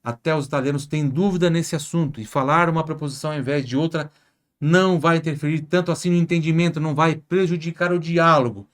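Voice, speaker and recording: Man, teacher, online language lesson, patient explanations, fairly high voice, frequent check-ins. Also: quick pace. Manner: explains patiently, mixing example sentences with asides and check-ins. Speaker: Italian teacher.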